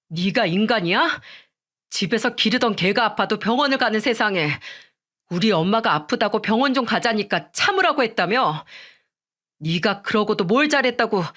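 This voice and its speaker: A woman voicing an agitated grown son who scolds his wife in an angry, shouting manner, in a storybook radio reading. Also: on the high side, animated, normal speed. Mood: furious.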